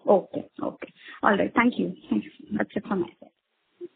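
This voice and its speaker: A woman's voice: medium pitch, normal speed, gravelly, breathy edge. A woman calling in to ask unscripted questions on an investor conference call. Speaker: caller asking questions. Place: telephone call. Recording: muffled narrow phone line.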